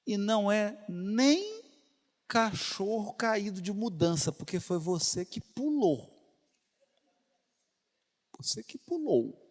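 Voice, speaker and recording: Lively man lecturing in a hall. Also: high-pitched, slow. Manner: animated storyteller, rhetorical questions to the audience. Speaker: spiritist lecturer. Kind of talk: storytelling lecture to an audience.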